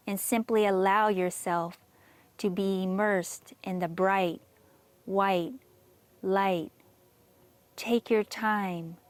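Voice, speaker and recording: Slow-paced woman guiding a meditation. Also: mid-range voice, a little mellow. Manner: slow, measured, soothing delivery with long pauses. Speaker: meditation guide. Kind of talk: guided meditation, scripted reading.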